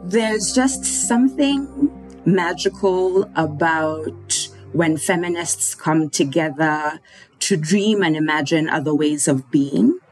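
A woman's voice: deep voice, slow, faint music behind, low-quality recording. A woman, a podcast guest, speaking in a passionate, emphatic way. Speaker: guest quoted in a clip.

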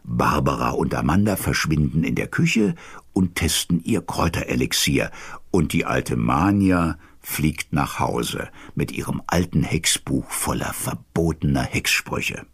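A raspy, creaky, very low narrator, telling a children's witch story. He is genial and chatty, with an expressive delivery that speaks straight to his listeners. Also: measured pace, full character voice. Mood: amused, satisfied. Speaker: narrator of a children's audio drama.

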